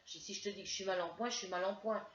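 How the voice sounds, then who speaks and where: A woman's voice: medium pitch, steady tone, very fast. A woman from France telling a casual, rambling story to her viewers with many hesitations while feeling ill with a headache. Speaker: crafts vlogger. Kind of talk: casual chat to camera. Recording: roomy, dull lo-fi home recording.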